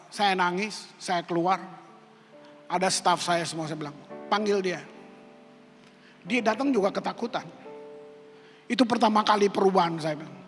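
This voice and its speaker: A male pastor preaching a sermon, telling personal stories with acted-out quotes in casual slang. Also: high voice. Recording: echoey hall with music behind.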